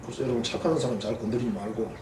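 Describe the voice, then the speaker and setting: Gyeongsang pastor preaching in an echoey church. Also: male voice, mid-range voice, very fast, background noise. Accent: Gyeongsang Korean. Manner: folksy, humorous, acts out quoted voices. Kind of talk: sermon. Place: church sanctuary. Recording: echoey church hall, mic at a distance.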